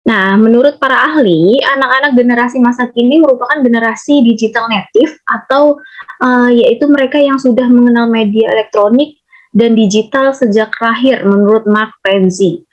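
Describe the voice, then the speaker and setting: A woman presenting a training lecture from slides, explaining steadily and often pausing on hesitations. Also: fairly high pitch, highs cut off.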